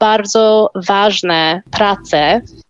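This woman speaks with an English accent. Her intonation is lively. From US, Colorado. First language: English (speaking Polish). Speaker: diplomat. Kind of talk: interview. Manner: halting, many fillers.

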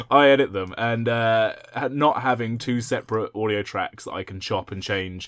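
At a moderate pace and with hardly any pauses, a man speaks at a medium pitch with ordinary variation, his loudness swinging widely. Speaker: podcast host. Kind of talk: casual chat. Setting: boat, shared mic. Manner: loud, animated.

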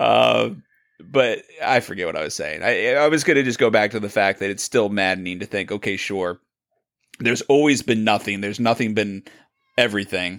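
An unremarkable speaking voice from a man, fairly low in pitch, with ordinary pitch variation and a fairly quick pace. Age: 40s. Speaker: podcast host. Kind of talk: casual chat.

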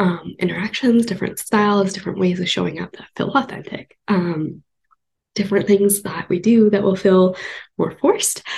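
Somewhat breathy and with fairly even intonation, a woman speaks with big swings in loudness. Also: medium pitch for a woman, moderate pace. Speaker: podcast host, knitting pattern designer. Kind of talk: casual podcast monologue. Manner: casual, many filler words.

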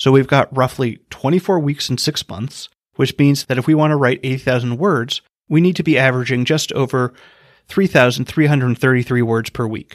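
On a very clean recording with a silent background and a dry, close sound with no echo, a man of medium pitch speaks at a fairly slow pace with ordinary pitch variation, an unremarkable speaking voice. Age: 30s. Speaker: podcast host. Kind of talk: solo educational podcast.

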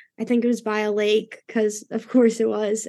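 A woman with an American accent, a fairly high pitch, a dark, mellow tone and a moderate pace. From upstate New York, Ithaca. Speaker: college lacrosse goalie. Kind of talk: casual interview.

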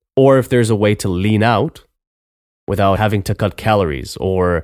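A man with a non-native accent and fairly low pitch, at a moderate pace with ordinary pitch variation and very even loudness, on a very clean recording with a silent background. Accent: faint foreign accent in American English. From outside US, moved to US at 14. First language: not English. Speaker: podcast host, self-improvement. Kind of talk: scripted-style motivational monologue.

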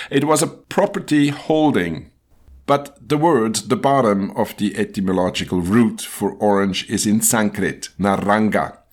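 A man speaks at a medium pitch with a non-native accent. His intonation is lively. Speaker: podcast host, traditional Chinese medicine chef. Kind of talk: scripted narration.

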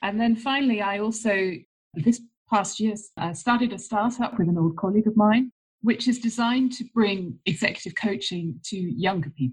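Intonation here is lively, and the voice has a somewhat breathy quality. The pace is moderate. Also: woman. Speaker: executive coach and author. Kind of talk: interview, advice talk. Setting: recorded remotely, poor audio.

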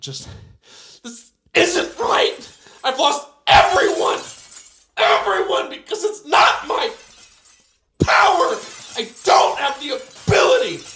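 Someone performs a put-on character voice at a fairly slow pace, leaving long, frequent pauses. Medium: actual play. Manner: anguished, furious.

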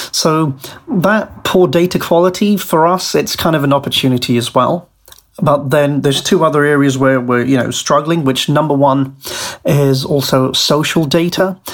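With a London accent, a man talks at very even loudness and with ordinary pitch variation. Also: fairly high pitch for a man, moderate pace. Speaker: portfolio manager. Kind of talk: interview.

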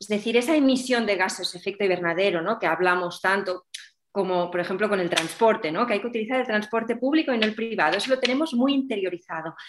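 This woman talks at a very fast pace. Her intonation is lively. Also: medium pitch for a woman. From Andorra. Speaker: nutritionist and university lecturer. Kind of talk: interview.

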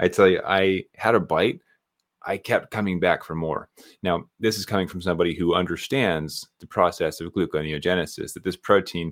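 A man speaks at a very deep, low pitch. The sound is dry and close with no echo. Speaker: diabetes fitness coach and podcast host. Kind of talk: solo podcast monologue. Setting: at home, quiet at night. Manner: softer than usual, subdued; usually enthusiastic, upbeat.

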